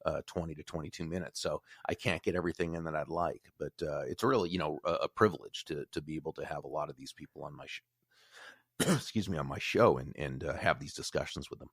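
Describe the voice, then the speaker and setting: A middle-aged man with a faint Boston accent and a very low voice, speaking as a podcast guest. He talks in an easy, measured way with plenty of fillers. The sound is close and dry, with no room around it. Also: husky, dry recording. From Massachusetts, USA. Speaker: interview guest. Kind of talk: casual podcast interview.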